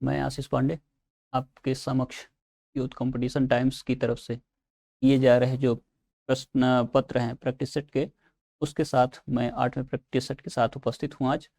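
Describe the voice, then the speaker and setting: A man's voice: mid-range voice, little pitch movement, moderate pace, vocal fry, a little mellow. A man teaching an online exam-prep lesson, explaining step by step and answering his own questions.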